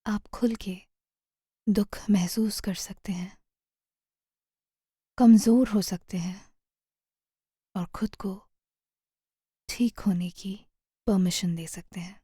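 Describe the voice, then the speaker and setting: Slow, breathy woman guiding meditation. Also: medium pitch, steady tone, dry recording, studio quality. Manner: soothing, gentle, often trailing into breathy near-whisper. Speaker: guided meditation narrator. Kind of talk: slow guided meditation narration.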